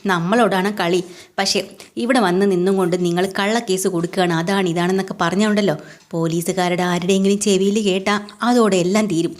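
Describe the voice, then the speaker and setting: A woman's voice: mid-range voice, fairly even intonation, quick pace, natural voice. A woman voicing a bold, manipulative middle-aged mother who talks in a pushy, dramatic way. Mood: scheming. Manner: pushy and dramatic, wailing in fake distress.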